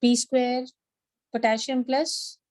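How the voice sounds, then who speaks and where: A woman's voice: a little high, little pitch movement, slow pace, darkish tone, no room sound. A woman with a South Asian accent teaching an interactive online class, asking questions, repeating points and switching between two languages. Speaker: biology teacher.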